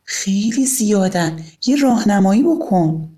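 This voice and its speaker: A woman's voice: sits low, sing-song, darkish tone. Woman voicing an eager young schoolboy. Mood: excited.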